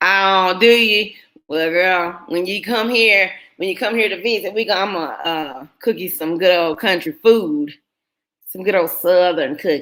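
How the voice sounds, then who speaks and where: In an ordinary speaking voice, a woman talks at a fairly slow pace, her pitch medium and its variation ordinary. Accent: American. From US South, rural North Carolina. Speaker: online video host. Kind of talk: live stream chat with viewers.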